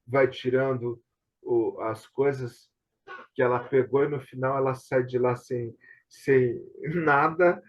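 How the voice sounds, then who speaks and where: A Brazilian host leads a casual remote video conversation on theatre and TV, speaking slowly and hesitantly while often asking for confirmation. His medium-pitched voice has fairly even intonation, and the audio is dull.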